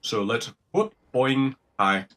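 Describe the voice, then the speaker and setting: A man's voice: mid-range voice, very animated, slow pace, fairly bright tone, slight background noise. A young man casually commentating on a game, jokey and rambling, swearing now and then. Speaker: gaming streamer. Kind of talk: casual commentary while playing.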